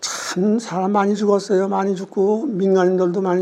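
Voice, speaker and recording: With noticeable background noise behind him, a man speaks at a moderate pace in a high pitch. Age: 80s+. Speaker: war veteran. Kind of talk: interview answer.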